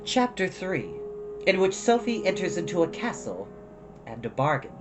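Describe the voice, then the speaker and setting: A man's voice: high-pitched, sing-song, normal speed. A man hosting an online storytime, chatting casually and reading a storybook expressively. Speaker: host of an online storytime show. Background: background music.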